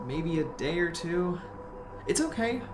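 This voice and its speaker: A man's voice: high voice, animated, a little slow. An actor playing an anxious, practical young man with an earnest, hesitant manner in an audio drama. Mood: pleading. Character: anxious, practical young adult urging friends to flee. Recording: clear background noise.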